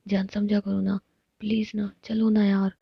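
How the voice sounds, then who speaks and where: A woman voicing a playful tomboyish young woman who coaxes and pleads with her lover, in a husky, breathy whispered role-play. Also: medium pitch, flat delivery, measured pace, dry recording, lo-fi sound. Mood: pleading.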